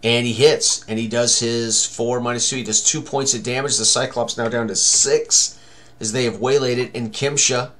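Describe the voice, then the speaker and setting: An older man thinks aloud through a tabletop game tutorial at his computer, giving short running commentary on rolls and tallies from a small indoor room. His mid-range voice is steady, bright, and forceful at a normal speed, with slight background noise.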